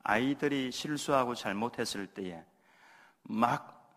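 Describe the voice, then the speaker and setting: A man's voice: medium pitch, unhurried. Male pastor, sermon delivery, mid-range voice, leads call-and-response readings, long hall reverb. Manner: acts out gentle parental words softly. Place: church sanctuary.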